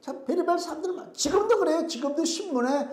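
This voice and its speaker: A man's voice: extremely high pitch, animated, quick pace, a little mellow. A middle-aged male pastor preaching a sermon in a conversational, emphatic way, full of rhetorical questions. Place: church sanctuary. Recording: echoey church hall.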